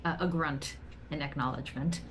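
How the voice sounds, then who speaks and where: A woman's voice: low voice, fairly even intonation, fairly quick, noisy background. A woman talking casually as a player in a role-playing game.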